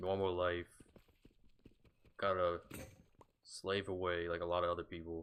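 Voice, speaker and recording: A man speaks at a moderate pace in a very deep, low voice with a bright, sharp tone and flat, monotone intonation. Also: very clean recording, silent background. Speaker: gaming streamer. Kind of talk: casual gameplay commentary. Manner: halting, stuttering; rambling, casual.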